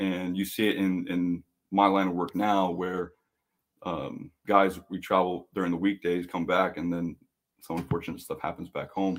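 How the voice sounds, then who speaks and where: On a very clean recording with a silent background, a man with a very deep, low pitch speaks at a moderate pace in a monotone, flat intonation. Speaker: war veteran. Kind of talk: casual chat. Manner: halting.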